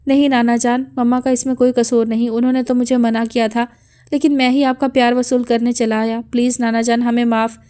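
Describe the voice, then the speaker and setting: A woman's voice: fairly high pitch, flat delivery, warm tone, natural voice. A woman voicing an apologetic young man who pleads for his grandfather's forgiveness in an audiobook.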